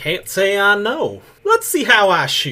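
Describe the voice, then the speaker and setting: This put-on character voice drawls at a fairly slow pace. Its pitch sits fairly high. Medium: actual play. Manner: folksy western drawl, exclamatory.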